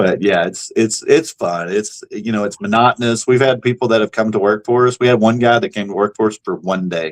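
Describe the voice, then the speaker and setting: A man with an American accent speaks at a fairly quick pace with hardly any pauses, using a medium pitch and ordinary pitch variation, in a dry, close sound with no echo. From Texas. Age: 50s. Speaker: fishing lure company owner. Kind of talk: casual chat. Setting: podcast interview.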